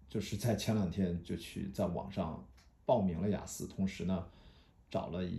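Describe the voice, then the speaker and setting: Heavy with vocal fry, a man's very deep, low voice moves at a fairly slow pace through audible room echo. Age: 40s. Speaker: podcaster and film lecturer. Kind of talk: personal monologue. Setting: solo recording, evening. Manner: casual with frequent filler sounds.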